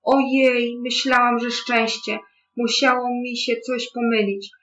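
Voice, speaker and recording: A storyteller voicing the night as a shy, squeaky little spirit in a storybook read-aloud. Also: measured pace, a bit bright, dull audio, a little hiss or hum, natural voice. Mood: flustered. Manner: squeaky, apologetic. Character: shy, flustered night, a small girl-like spirit.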